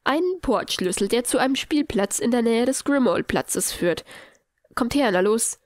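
A steady, frank teenage boy, as a woman reads him in a fan audiobook, talking plainly and calmly. The voice stays close to her own, a little high, with a dry, close sound. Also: normal speed, dry recording, lightly acted. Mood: urging.

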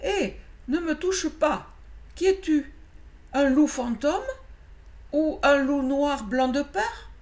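A woman's voice: mid-range voice, sing-song, slow pace. A woman voicing a young male black wolf in a storybook reading, jumpy and rambling in his talk. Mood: startled.

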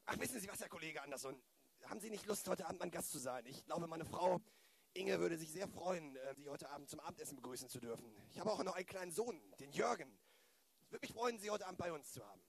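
Man as a creaky, eagerly courteous detective. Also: on the high side, expressive, quick pace, crowd noise. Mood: jovial. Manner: rambling, formally polite. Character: chatty, courteous, over-eager police detective and host. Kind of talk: improvised audio drama.

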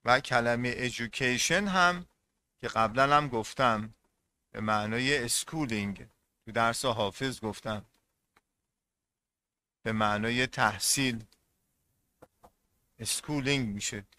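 Bright-voiced male teacher quizzing a class. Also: medium pitch, pauses often. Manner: repeats terms and quizzes the class. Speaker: English teacher. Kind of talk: classroom lesson.

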